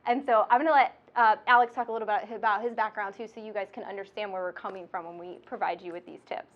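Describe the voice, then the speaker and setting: Bubbly and chatty, this nasal-voiced woman laughs often as she hosts a podcast and teaches in a relaxed, instructional chat. She speaks quickly in a mid-range voice with a steady tone, and the recording comes across muffled.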